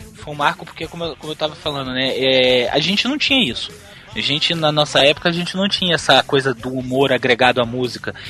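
A man with a fairly high pitch and ordinary pitch variation speaks at a very fast pace amid noticeable background noise. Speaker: podcaster. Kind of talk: casual chat.

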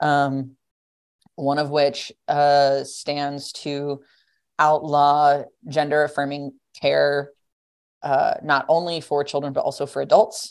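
Over a quiet background, a woman with an American accent speaks at a very deep, low pitch and a very slow pace, in a monotone, flat intonation with long, frequent pauses. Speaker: gravel cycling founder, activist. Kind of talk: casual conversation interview. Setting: remote recording, video/online call.

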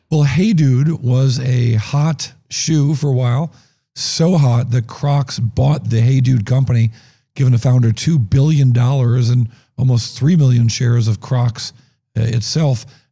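A man speaks at medium pitch with a dark, mellow tone and a somewhat breathy quality. His pace is fairly slow, his intonation fairly even, and his loudness very even. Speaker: podcast host. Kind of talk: casual chat.

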